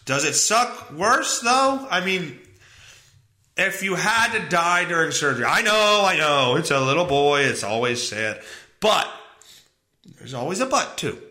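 A man with a fairly high, bright voice that swings widely in pitch as he rants through the news. He is sarcastic and foul-mouthed, and his talk rambles. The sound is echoey, as if recorded in a bare room at home. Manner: sarcastic, profane, rambling commentary. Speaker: podcast host. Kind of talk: casual solo podcast monologue reacting to news.

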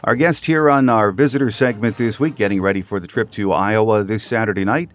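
A man's voice: on the low side, fairly quick, narrow, tinny audio, soft background music. A man hosting a sports podcast, reading game notes and promos. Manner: steady announcer delivery, reading notes and promos. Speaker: podcast host.

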